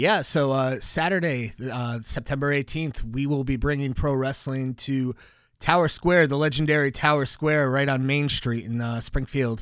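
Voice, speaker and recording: A man with a plain, everyday voice and fairly high pitch talks at a moderate pace with fairly even intonation. The recording is very clean with a silent background. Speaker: wrestling event organizer. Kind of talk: radio interview.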